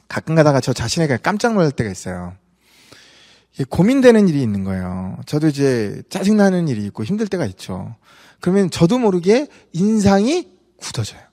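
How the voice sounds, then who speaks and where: A man preaching a sermon as pastor, talking in an animated, conversational way and asking the congregation questions. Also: on the high side. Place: church sanctuary. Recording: church sanctuary with long reverb.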